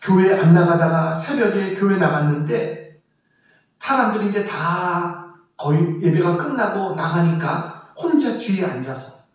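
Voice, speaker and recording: A male pastor preaching a sermon as a story, with emotional emphasis and quiet drops in his voice. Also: high-pitched. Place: church sanctuary. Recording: echoey church from far off.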